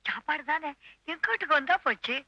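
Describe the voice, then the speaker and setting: A gentle, soothing old grandmother. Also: high-pitched, animated, a little fast, no echo, full character voice. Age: older. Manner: gentle soothing, mild reproaching. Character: kindly old grandmother soothing and defending a child. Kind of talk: 1980s film acting.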